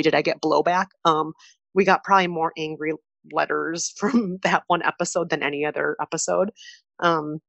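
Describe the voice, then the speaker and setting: A woman in her thirties from Minnesota with a Minnesota accent, answering interview questions in a chatty, animated way with frequent fillers and laughter. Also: sits low, gravelly, no room sound. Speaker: podcast host, interviewee. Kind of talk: conversational interview.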